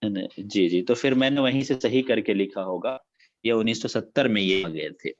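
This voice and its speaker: A man's voice: fairly low pitch, dull audio. A man teaching an online class, repeating key facts and dates.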